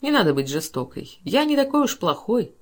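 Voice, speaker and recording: A woman's voice: a little high, very animated, fairly quick. A self-assured businessman husband, voiced by a woman narrator. He pleads and coaxes, trying to talk his wife round. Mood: pleading. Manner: pleading and persuasive.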